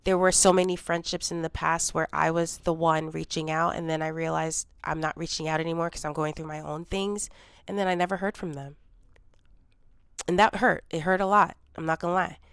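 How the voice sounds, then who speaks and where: A woman in her forties speaks candidly to the camera in a personal vlog, her voice slightly congested from a cold. She sounds low on energy. Her voice is a little low, smooth and clear, recorded close in a dry room. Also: little pitch movement, brisk, no room sound. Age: 40s. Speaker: vlogger.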